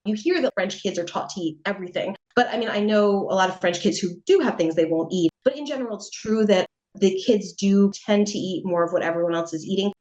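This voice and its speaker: A woman's voice: medium pitch, fast, hardly any pauses, a little mellow, dull audio. A middle-aged American woman talks through her answers in an easy, conversational manner. She hedges often and muses aloud, with a light laugh now and then. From United States. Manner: chatty, reflective, with frequent hedges and laughs. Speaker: interview guest, writer. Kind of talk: casual interview answers.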